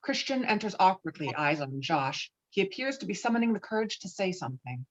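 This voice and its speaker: A woman's voice: mid-range voice, very animated, a little fast, dull audio. A woman reading stage directions as the narrator of a dramatic script.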